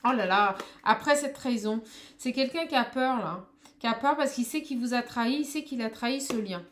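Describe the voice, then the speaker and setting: A woman doing a card reading for her viewers, talking straight to them and calling out to her spirit guides, with a small high voice. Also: moderate pace, a bit bright, a little hiss or hum. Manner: addresses viewers directly, exclamatory, calls on spirit guides. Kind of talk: tarot reading to camera.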